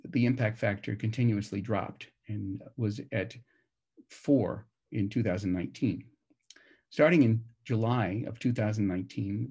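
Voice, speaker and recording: A man with a gravelly, husky voice giving a prepared conference presentation in a measured, formal, explanatory way. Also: lowish voice, a little mellow, lo-fi sound.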